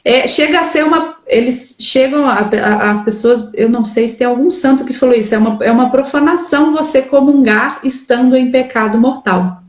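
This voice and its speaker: A woman's voice: sits high, normal speed, few pauses. Hesitant woman on an echoey stream. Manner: hesitant, stammers and self-corrects. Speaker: book club co-host and video maker. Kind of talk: casual religious discussion.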